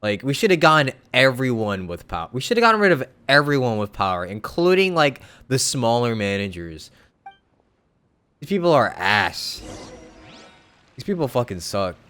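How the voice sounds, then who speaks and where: A man's voice: mid-range voice, sing-song, moderate pace, bright, forceful tone, a little hiss or hum. A young man streaming a game, commenting casually in a profane, sarcastic way. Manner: profane, sarcastic, cheering the scene. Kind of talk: casual live gameplay commentary.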